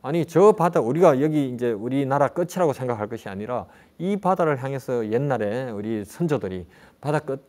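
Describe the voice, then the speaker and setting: A middle-aged man guides viewers through local history in a relaxed, conversational way. He rambles, restarts his sentences and poses rhetorical questions. His voice sits at an ordinary middle pitch. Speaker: travel guide presenter. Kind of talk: conversational travel talk on history.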